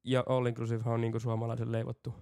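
Flat gravelly middle-aged man, blunt. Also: mid-range voice. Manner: dry, blunt, swears freely. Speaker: podcast co-host. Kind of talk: casual chat.

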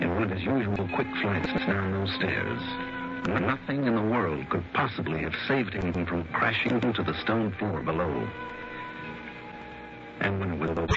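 A terse hard-boiled investigator. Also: male voice, low-pitched, creaky, full character voice. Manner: terse, dry first-person narration. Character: hard-boiled male insurance investigator narrating. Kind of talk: 1960s radio drama narration. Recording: dull lo-fi vintage radio broadcast.

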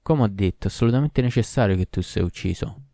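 A man's voice: lowish voice, fast, vocal fry, dark tone, no echo, clean studio sound. A man voicing a proud and cruel ancient male jinn in a storybook reading, in a solemn, declaiming manner. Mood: menacing.

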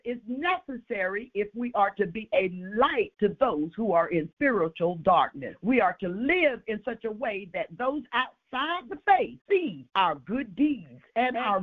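Lady radio host preaching slow and emphatic, voice swoops around a lot, thin phone-like sound. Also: mid-range voice, slightly rough. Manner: measured, emphatic sermon delivery. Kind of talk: preaching then interviewing on radio. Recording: tinny phone-like radio audio.

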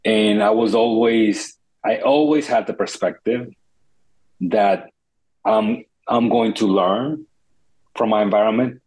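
A man's voice: on the low side, darkish tone, slightly rough, low-quality recording. A man from the Dominican Republic, a startup founder telling his story in an interview, earnest and reflective with many restarts.

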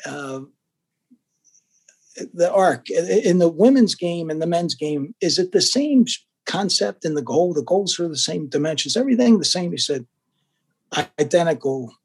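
Older guy rambling through old goalie stories, voice sits a bit high. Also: lively intonation, moderate pace, husky. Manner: rambling, with many restarts and fillers. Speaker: interview guest, former goalkeeper. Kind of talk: casual storytelling interview.

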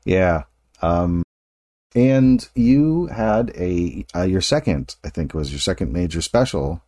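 Low-voiced man in his forties. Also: lively intonation, takes it slowly, warm tone, no echo, clean studio sound. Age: 40s. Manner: rambling, self-correcting, laughs often. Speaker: podcast host. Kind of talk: casual interview chat.

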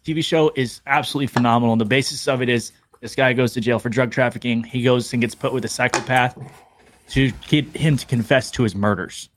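A man's voice: medium pitch, steady tone, fast, a little hiss or hum. A man on a casual podcast, enthusiastically recommending shows with plenty of swearing. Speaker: podcast co-host. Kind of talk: casual chat.

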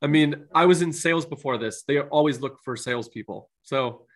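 A man's voice: a little high, brisk. A man co-hosting a casual interview over a video call, his audio glitching and cutting out on a poor connection. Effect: glitchy audio cutting out over a weak internet connection. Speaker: podcast co-host and builder.

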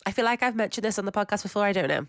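A woman's voice: mid-range voice, expressive, rapid-fire, dry recording, clean studio sound. A woman co-hosting a podcast, chatting enthusiastically and giggling often. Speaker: podcast co-host. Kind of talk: casual chat.

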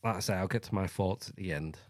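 A man's voice: low-pitched, fast talker, no room sound, studio quality. A man hosting a podcast, reading an account aloud and breaking in with blunt, swearing asides. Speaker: podcast host. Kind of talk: casual reading with commentary.

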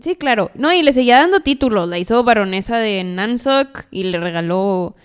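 A woman's voice: mid-range voice, animated, moderate pace, clear, resonant tone. A woman co-hosting a podcast, retelling history as chatty, dramatic gossip with asides. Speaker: podcast co-host. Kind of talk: casual storytelling chat.

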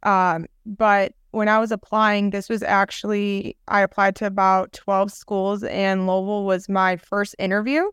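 A woman's voice: mid-range voice, flat delivery, a little slow, hardly any pauses, a bit bright, clean tone, dry recording, clean studio sound. A woman in her twenties from the Chicago area, a dental student chatting about her interview. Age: 20s. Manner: chatty, many fillers and restarts. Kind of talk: casual interview answers.

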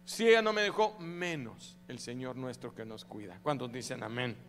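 A pastor preaching a sermon to his congregation, animated and calling out to the audience for responses. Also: medium pitch, moderate pace, long reverb tail, noisy background. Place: church.

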